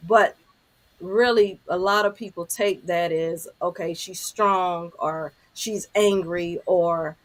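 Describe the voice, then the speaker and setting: Deep-voiced woman, 50s, earnest, low-pitched, on a video call. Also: steady tone, takes it slowly. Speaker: panelist. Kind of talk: candid panel talk.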